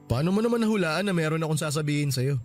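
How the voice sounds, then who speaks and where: A man's voice: fairly high pitch, expressive, very fast, soft background music, natural voice. A man playing a young husband in a radio drama, defensive and pleading. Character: young husband, soft-hearted and placating.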